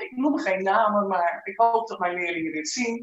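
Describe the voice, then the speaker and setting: A woman speaks at a moderate pace. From Netherlands, Zuid-Holland. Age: 50s. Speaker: teacher. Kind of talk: casual interview chat. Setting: video call. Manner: animated, halting with repetitions.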